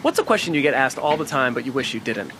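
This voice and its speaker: A man interviewing someone outdoors at a home garden, upbeat and quick in his questioning. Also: mid-range voice, big pitch swings, background noise. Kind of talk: rapid-fire interview questions.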